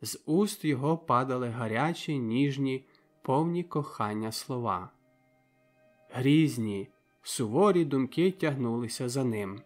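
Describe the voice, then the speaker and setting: A man reading a novel aloud as an audiobook narrator, in calm, measured storytelling. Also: medium pitch, soft background music. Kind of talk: scripted literary narration.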